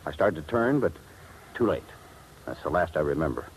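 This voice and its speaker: A man's voice: a bass voice, sing-song, moderate pace. A man playing an anxious, aggrieved jeweler in 1950s radio drama, explaining himself earnestly. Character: anxious, aggrieved male jeweler, robbed and nearly ruined. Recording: noisy vintage 1950s radio recording.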